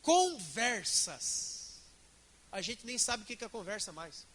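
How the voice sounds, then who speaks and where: A man's voice: high-pitched, fast talker, sharp tone. A man preaching a sermon as pastor in a church, emphatic and asking the congregation questions.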